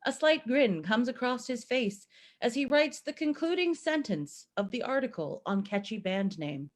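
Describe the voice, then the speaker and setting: A woman's voice: on the high side, very animated, normal speed. A woman narrating scripted stage directions for a play reading.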